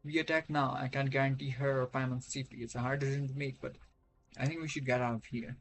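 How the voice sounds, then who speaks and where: A man's voice: mid-range voice, fairly even intonation, quick pace, fairly bright tone, slight background noise. A man streaming a video game, reacting live and reading dialogue aloud. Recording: game music under the voice. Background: game music.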